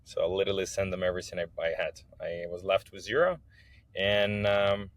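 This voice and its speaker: Guy from kazakhstan, english, lowish voice, telling his own story on a podcast, dry close sound. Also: fairly quick, no room sound. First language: not English. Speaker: podcast guest, business owner. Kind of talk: personal storytelling in an interview.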